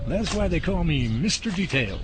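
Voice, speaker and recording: A man's voice: fairly high pitch, sing-song, normal speed, background noise. A man playing a self-assured, joking field researcher in an audio drama. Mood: boastful, relaxed. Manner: joking, teasing. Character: wisecracking, self-assured male field researcher, a jokey show-off.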